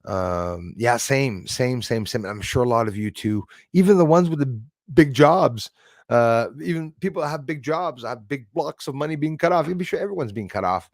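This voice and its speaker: A man's voice: mid-range voice, animated, moderate pace, darkish tone, dry recording, clean studio sound. A man in his sixties hosting a casual live stream, chatting in a rambling way and thanking viewers by name. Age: 60s.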